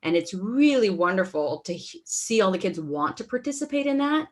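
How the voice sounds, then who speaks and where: A woman's voice: mid-range voice, very animated, moderate pace, a little mellow. A woman performer talking casually as a guest in an online panel discussion over a video call.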